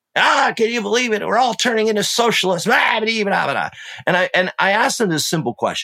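A man projects his raised voice at a high pitch and moderate pace, his tone bright and sharp, the sound dry and close with no echo. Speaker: content creator and teacher. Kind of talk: casual interview chat.

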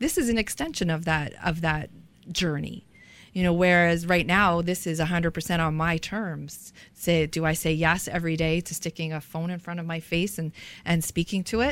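In a very clean recording with a silent background, a woman with a plain, everyday voice and fairly low pitch speaks at a moderate pace with fairly even intonation. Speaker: leadership coach. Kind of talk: casual radio interview.

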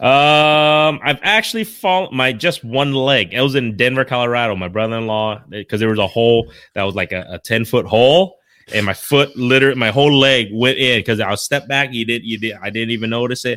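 A man's medium-pitched voice with a Midwestern US accent, moderate pace and ordinary pitch variation. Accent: US Midwest. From Iowa, US Midwest. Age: 40s. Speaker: fishing podcaster and lure seller. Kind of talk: casual interview.

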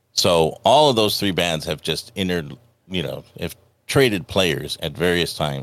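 Very deep and low in pitch, a man speaks with an American accent and vocal fry. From East Los Angeles. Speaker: podcast co-host and former musician. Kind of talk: casual chat.

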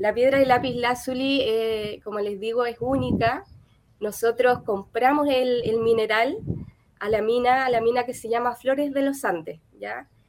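A woman's high voice at a fairly slow pace. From Chile, Coquimbo region (Tulahuén). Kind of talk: interview.

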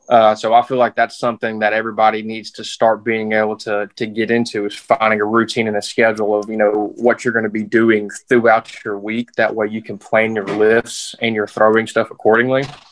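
A man with an Alabama accent at a medium pitch, a fairly quick pace, monotone, flat intonation and hardly any pauses. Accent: Southern US (Alabama). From US South, Mobile, Alabama. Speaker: professional baseball pitcher. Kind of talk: casual interview.

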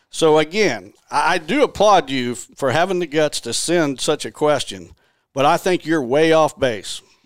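A man with an unremarkable speaking voice and fairly high pitch talks at a moderate pace with lively intonation, on a very clean recording with a silent background. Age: 50s. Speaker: deer hunting podcast host. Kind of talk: casual chat; reading listener questions. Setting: home trophy room.

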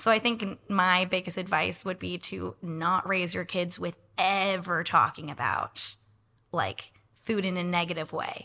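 A bright, sharp voice with vocal fry and an American accent moves at a fairly slow pace with fairly even intonation. The recording is very clean, with a silent background. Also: woman. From Sacramento, Northern California. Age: 30s. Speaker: personal trainer and boxing coach. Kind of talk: casual chat.

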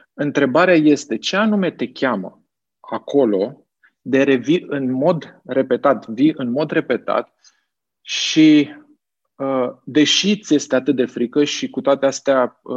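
In a dry, close recording with no echo, a man with a normal speaking voice talks fairly slowly at a fairly high pitch with lively intonation. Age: 30s. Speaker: writer and marketer. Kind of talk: casual chat.

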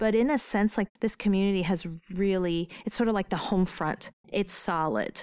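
A woman with a plain, everyday voice at medium pitch, with ordinary pitch variation and a moderate pace, in a dry, close recording with no echo, very clean with a silent background. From Philippines, moved to the US at nine. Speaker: romance author. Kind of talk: casual chat.

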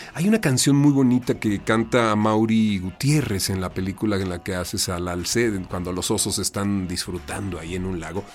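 With music in the background, a man at a fairly low pitch speaks at a moderate pace with ordinary pitch variation and hardly any pauses. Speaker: podcast host and voice actor. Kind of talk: casual interview chat.

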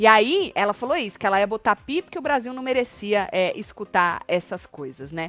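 Barely pausing, a woman speaks at a moderate pace in an animated tone, with very wide pitch swings and big swings in loudness, in a dry, close sound with no echo. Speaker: reality show commentator. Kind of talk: casual chat.

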